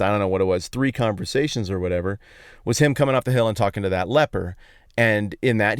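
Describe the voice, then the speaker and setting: An American podcast host from Colorado tells stories in a casual, colloquial style with playful emphasis, recorded inside a parked truck. His voice is lowish, and the sound is clean studio quality with no room sound. It's a conversational Bible talk delivered as a storytelling monologue.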